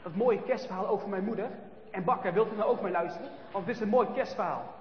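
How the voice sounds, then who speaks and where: A frail little boy speaks in a faint, feeble voice, as a man puts him on. His high voice rings in a roomy, echoey hall, a little dull and muffled. It sounds like a children's story told aloud. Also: quick pace, a little hiss or hum, close to an everyday voice. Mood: pleading. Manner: faint, feeble and soft-spoken. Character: small frail boy, weak and half-frozen.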